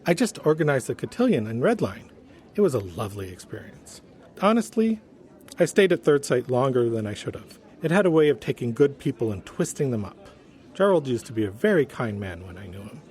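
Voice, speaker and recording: Actor playing an animated, prim, gentle office man. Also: mid-range voice, close to an everyday voice. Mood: regretful, polite. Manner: polite, prim, measured wording. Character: earnest, gentle, prim former human resources director. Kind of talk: audio drama acting as interview guest.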